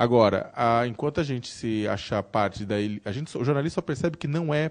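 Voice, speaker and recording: With lively intonation, a man speaks in an unremarkable speaking voice at a medium pitch over a quiet background. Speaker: journalist and blogger. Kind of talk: panel debate. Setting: stage with audience.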